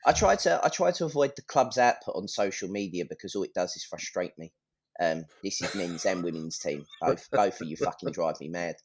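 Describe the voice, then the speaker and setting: A man's voice: low-pitched, expressive, brisk, slightly rough. A man talking football as a fan on a podcast, blunt and full of swearing, in a ranting casual style.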